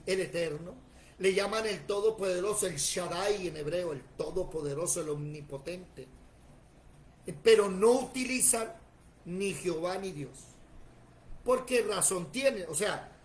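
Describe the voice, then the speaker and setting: A man teaching a Bible class, plain-spoken and animated, turning to his students with questions. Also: sits high, poor audio.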